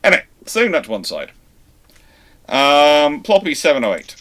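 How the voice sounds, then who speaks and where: A man hosts a live history stream, his voice bright and forward. He talks in an animated way, tossing in quick asides and dry jokes as he answers questions. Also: fairly high pitch. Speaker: naval history channel host. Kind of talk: live Q&A chat.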